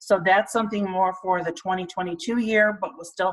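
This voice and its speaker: A woman talks at a fairly quick pace in a fairly low pitch. It is an ordinary speaking voice. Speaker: city manager. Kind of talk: budget presentation at council meeting.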